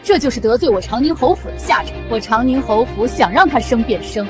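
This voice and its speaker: A woman's voice: fairly high pitch, animated, fairly quick, music in the background, lightly acted. A woman playing a haughty, doting middle-aged noble mother in a costume drama, with melodramatic delivery. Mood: haughty, menacing. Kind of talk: costume short drama acting.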